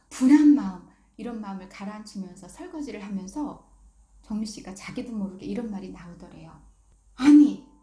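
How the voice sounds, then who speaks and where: A middle-aged woman gives a parenting lesson as a story, acting out each quoted line with big swings in her voice. Her tone is warm and mellow, a little higher than most. The room around her sounds echoey. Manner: acts out quoted lines with lively shifts in pitch. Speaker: parenting educator.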